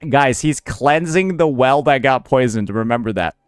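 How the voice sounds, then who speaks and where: A man's voice: medium pitch, animated, normal speed, clean tone, no room sound, soft background music. A man doing sarcastic, profane reaction commentary as a streamer, recorded on a close mic.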